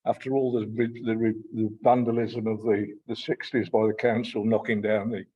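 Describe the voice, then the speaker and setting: Halting Black Country man, lecturing. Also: on the low side, flat delivery, warm tone, husky, highs cut off. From Black Country, England. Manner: hesitant, many fillers and repeated words. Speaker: guest lecturer. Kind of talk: informal talk to a local society.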